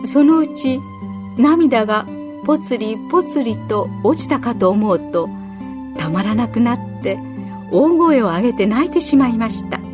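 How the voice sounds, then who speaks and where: Woman narrator, children's story, gentle and measured, slightly high voice, faint music behind. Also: lively intonation.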